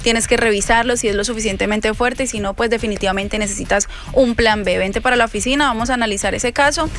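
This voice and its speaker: A woman giving immigration advice on a radio show, speaking in a clear, assured way. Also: a little high, quick pace, fairly bright tone, soft background music. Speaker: immigration advisor.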